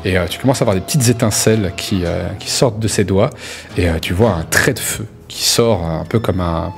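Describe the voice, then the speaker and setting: Low-voiced man running a tabletop game. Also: brisk, gravelly, soft background music. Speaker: game master. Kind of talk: improvised narration of a tabletop role-playing game.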